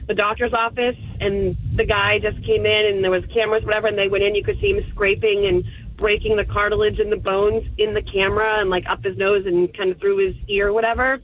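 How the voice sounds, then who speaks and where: Chatty woman caller on a tinny phone line. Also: medium pitch. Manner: chatty, rambling with fillers. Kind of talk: phone call-in.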